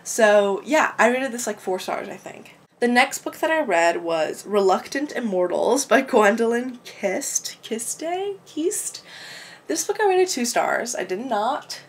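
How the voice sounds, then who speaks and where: A woman's voice: on the high side, lively intonation, takes it slowly. Stuffed-up woman doing a chill book vlog at home, kinda rambly, swears a bunch, laughs a lot. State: congested, clogged-up throat. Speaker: book vlogger. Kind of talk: casual book review chat. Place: home room with window open.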